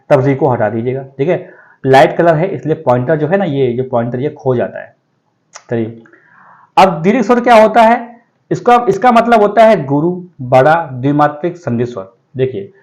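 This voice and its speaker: A man's voice: high voice, a little mellow, highs cut off. A man teaching grammar for an exam, who asks the class questions and answers them himself. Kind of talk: exam-prep lecture.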